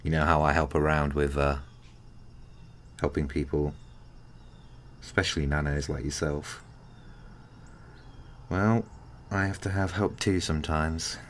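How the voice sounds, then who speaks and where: A man playing a kindly, awkward, flirtatious tiny friend in an intimate ASMR roleplay, speaking gently and hesitantly with caring, teasing warmth. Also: rumbling low, steady tone, unhurried, long pauses, slight background noise. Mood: encouraging, shy. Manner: gentle, hesitant, bashfully rambling.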